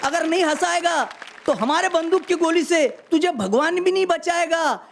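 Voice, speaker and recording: Male comic poet, deadpan, repeats punchlines, high voice, faint hiss. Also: moderate pace, vocal fry, some chatter behind. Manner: deadpan, repeats lines for effect. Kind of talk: reciting comic poetry on stage.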